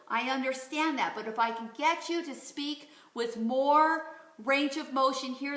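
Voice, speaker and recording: A woman speech coach teaching a video lesson, demonstrating practice words slowly and clearly. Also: high voice, sharp tone, echoey room.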